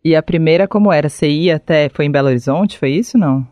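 A woman's voice: low-pitched, quick pace, mellow, dry recording. A woman, hosting a music interview show, who asks short questions and tells her own stories in a chatty way. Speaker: interviewer and host. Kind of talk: radio interview.

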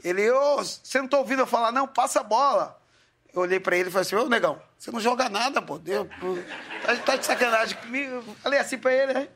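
A man with a high, bright voice tells stories from his playing days. He acts out what others said, shifting between quiet asides and bursts of loud quoted lines. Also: fast talker. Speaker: guest, former footballer. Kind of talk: casual storytelling chat.

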